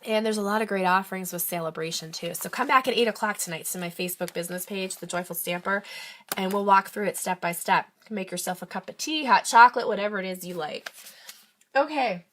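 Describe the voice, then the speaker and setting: A middle-aged woman, a bit raspy after being sick, hosting a live craft demonstration in a chatty, enthusiastic way with many fillers. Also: medium pitch, fast talker, a bit bright, slight background noise. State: raspy from recent illness. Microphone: phone or tablet livestream.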